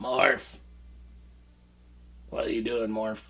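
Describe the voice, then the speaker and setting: Putting on a raspy character voice, a man speaks at medium pitch. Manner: gruff, growly.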